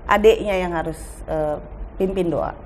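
A woman's voice: lowish voice, measured pace. A middle-aged woman talks as a guest on a talk show. She tells stories with energy and acts out family dialogue. There is faint noise in the background. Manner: animated storytelling, acting out family dialogue. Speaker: guest actress. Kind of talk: casual talk show chat.

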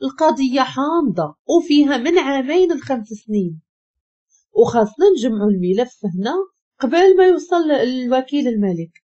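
Husky Moroccan woman telling a story. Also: on the high side, dark tone. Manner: emotional, dramatic retelling. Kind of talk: first-person story narration. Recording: dull lo-fi recording.

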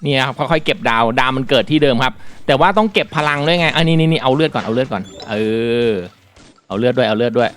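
A man reviewing a mobile shooter in casual commentary, explaining politely and then exclaiming excitedly while he plays. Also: medium pitch, quick pace, slight background noise.

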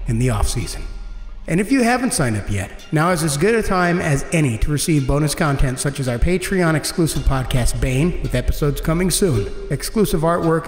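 A man presenting a podcast, reading scripted credits and announcements to listeners. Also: fairly high pitch. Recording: echoey, reverberant, soft music underneath.

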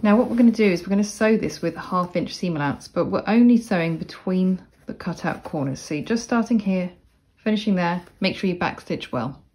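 Relaxed, chatty woman teaching sewing. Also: fairly low pitch, a little fast, few pauses, slight background noise. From Cornwall, England. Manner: relaxed, chatty, self-deprecating asides. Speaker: sewing instructor. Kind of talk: casual step-by-step tutorial narration.

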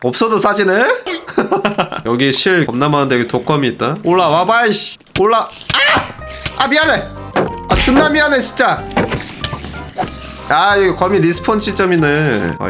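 A young man giving excited, playful gaming commentary, often shouting and laughing. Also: a little high, normal speed, music in the background. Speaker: gaming YouTuber.

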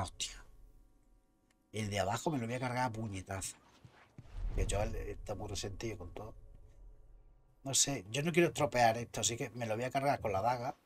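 A man's voice: fairly low pitch, slight background noise. Swearing Spanish let's-play man. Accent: Spain Spanish. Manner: chatty, swears freely, bursts out loudly at surprises. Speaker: gameplay commentator. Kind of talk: casual let's-play commentary.

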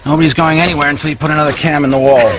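A man's voice: fairly high pitch, fairly even intonation, slow pace. Stern climbing father. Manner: firm, commanding. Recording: film clip with background noise.

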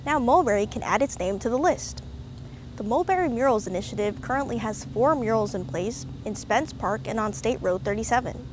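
A young woman hosting a show, with a fairly high voice and a bright, polished delivery. She reads a scripted introduction outdoors in a park. Clear outdoor ambient noise sits behind her. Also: expressive, brisk. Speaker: show host. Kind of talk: scripted presenting.

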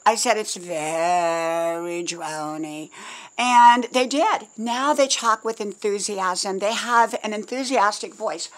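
An older woman shares her views in a casual, folksy motivational talk. Her voice sits a little high, and she stacks points in repeated, emphatic lists. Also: a little slow, few pauses, poor audio. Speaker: host.

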